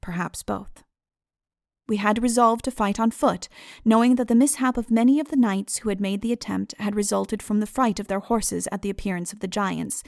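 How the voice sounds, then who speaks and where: Woman, audiobook narrator, dramatic literary reading, measured and formal, creaky edge, dry close sound. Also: medium pitch, a little mellow, no room sound.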